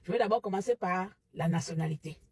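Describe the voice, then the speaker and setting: Indignant Gabonese woman with husky voice. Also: lowish voice, fast, no room sound. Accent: Gabonese French. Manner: indignant, rising to loud rhetorical outbursts. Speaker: commentary vlogger. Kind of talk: impassioned opinion monologue.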